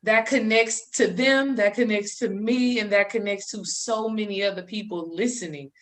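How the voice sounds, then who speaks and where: Casual woman, mid-pitched. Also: moderate pace, a bit bright. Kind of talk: casual conversational chat.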